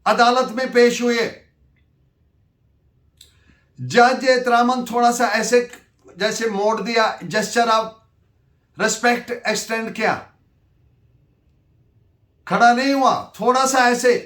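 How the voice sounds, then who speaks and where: High-pitched, slow-speaking Pakistani man lecturing. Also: steady tone, a bit bright. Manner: deliberate and emphatic, switching between Urdu and English. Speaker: law lecturer. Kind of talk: lecture dictating case citations and explaining legal principles. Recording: echoey room.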